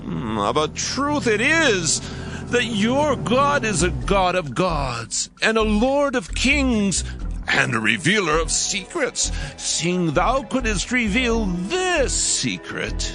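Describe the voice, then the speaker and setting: A man's voice: high-pitched, big pitch swings, takes it slowly, exaggerated voice. An actor playing an imperious, awestruck Babylonian king in a dramatized scripture reading, with an emphatic, regal delivery. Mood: awed, reverent. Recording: loud music behind the voice.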